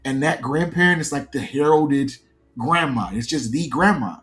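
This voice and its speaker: Here the fiction podcast creator, a man in his early forties, sounds fairly high-pitched and a bit bright at normal speed. As an interview guest he talks earnestly and reflectively, explaining in depth.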